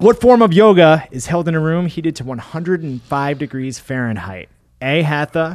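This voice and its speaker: An unremarkable speaking voice, fairly slow in pace. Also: man. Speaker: podcast co-host, personal trainer. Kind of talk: casual chat, quiz host.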